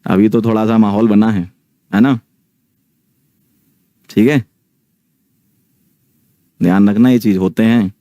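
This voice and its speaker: Chatty low-voiced man telling a story. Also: fairly even intonation, slow, long pauses, dark tone, dry recording. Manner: chatty, keeps checking in with the listeners. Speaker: online teacher telling a ghost story. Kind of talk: casual storytelling to a live audience.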